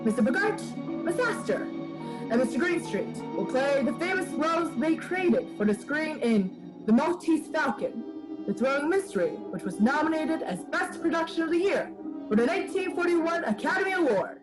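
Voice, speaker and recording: Lady doing an old-time 1940s radio announcer, high voice, grand n formal, loud music behind. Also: expressive, rough recording. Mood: grand, promotional. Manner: grand, presentational, measured.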